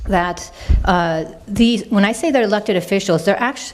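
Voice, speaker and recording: A woman with an American accent speaks with lively intonation in a room with audible echo. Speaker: city neighborhood program manager. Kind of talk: conference talk. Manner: fast.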